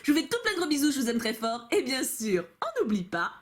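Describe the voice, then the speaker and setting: Bubbly young woman, lively high voice. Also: fast. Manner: bubbly and playful, gushing. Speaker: YouTuber opening trading cards. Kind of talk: casual chat to viewers.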